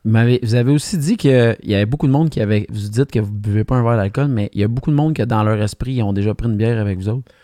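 A man with a Québécois French accent asks questions in a lowish, mellow voice. He sounds curious and encouraging, often stumbling and restarting mid-question. The recording is close and dry. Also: fast talker, few pauses, no echo. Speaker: interviewer. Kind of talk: interview questions.

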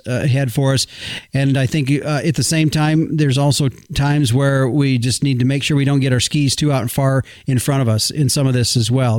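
A man's voice: medium pitch, a little mellow, no echo. A man hosting a radio show in a conversational, folksy and informal way.

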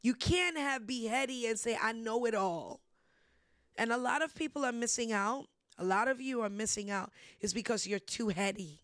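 A woman hosting a casual faith discussion, telling stories with lively animation and frequent laughs. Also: on the high side, moderate pace, no echo, studio quality. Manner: animated storytelling, laughs often. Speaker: ministry host.

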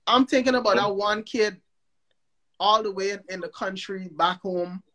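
A young man from Guyana with a Guyanese accent, a record label executive talking as a guest in a casual interview, animated and heartfelt, often restarting his phrases. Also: high voice, moderate pace, low-quality recording.

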